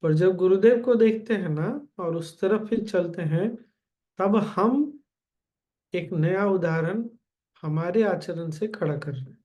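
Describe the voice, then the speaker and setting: A man giving a gentle spiritual discourse as a teacher, calmly addressing his listeners directly. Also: high voice, takes it slowly.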